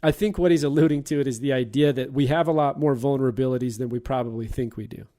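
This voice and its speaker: A man's voice: mid-range voice, quick pace, warm tone. A man hosting a casual movie podcast, retelling scenes and chuckling along. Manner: laughs while retelling scenes. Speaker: podcast host.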